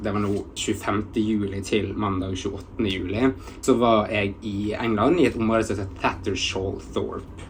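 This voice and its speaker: In a western Norwegian accent, the speech comes at a moderate pace with audible room echo and noticeable background noise. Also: man. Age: 20s. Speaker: YouTuber. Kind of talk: casual vlog talk. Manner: hesitant, with many fillers.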